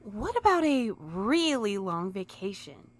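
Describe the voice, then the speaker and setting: A woman playing a gentle, earnest, sometimes exasperated courier in an audio drama. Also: mid-range voice, very animated, a little slow. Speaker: voice actor in a fiction podcast. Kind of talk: scripted audio drama acting.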